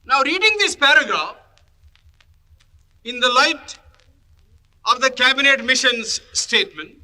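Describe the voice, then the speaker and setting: A man delivers formal parliamentary oratory in a measured, emphatic manner, broken into short phrases. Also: very high voice, lively intonation, pushed and bright.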